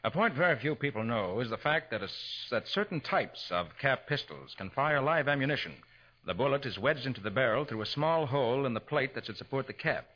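A confident American detective from a 1940s radio crime drama. The voice is bright and forceful with animated pitch, laying out facts with assurance. The old broadcast recording sounds dull. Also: male voice, fairly quick. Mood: assured, explaining. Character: confident male private detective, explaining how he solved murders.

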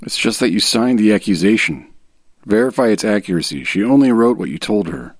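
Male podcast guest, very low pitch, terse dramatic read of text messages, dry recording. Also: expressive, brisk, dry recording.

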